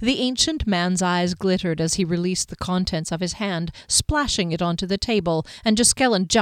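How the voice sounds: Ordinary pitch variation shapes a natural reading voice here.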